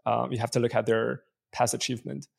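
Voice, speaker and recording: Male investor guest from Canada, Chinese first language, gravelly voice, thinks out loud. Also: mid-range voice, flat delivery, fast talker. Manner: thoughtful, frequent fillers and restarts. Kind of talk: conversational interview answers.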